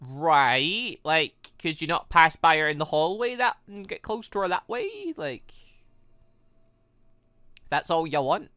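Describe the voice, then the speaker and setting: A video game let's-player giving rambling, excitable, casual commentary while playing. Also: medium pitch, takes it slowly, clean tone, no room sound, studio quality. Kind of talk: casual gameplay commentary and read-aloud.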